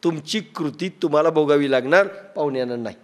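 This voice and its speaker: A man with a Marathi accent gives a sermon in a fairly high voice. He tells stories, acts out quotes and uses everyday examples to make his point, and chants scripture verses slowly. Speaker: spiritual teacher.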